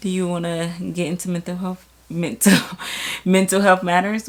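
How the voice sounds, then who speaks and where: Noticeable background noise sits under a woman's medium-pitched speech. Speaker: podcast co-host. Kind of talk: casual chat.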